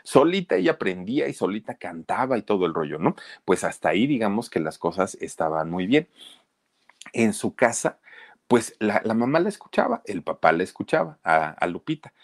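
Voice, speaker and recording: Low, lively Mexican storyteller man. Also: normal speed, no echo, clean studio sound. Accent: Mexican Spanish. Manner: chatty and colloquial, with dramatic asides. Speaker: gossip channel host. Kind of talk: casual storytelling.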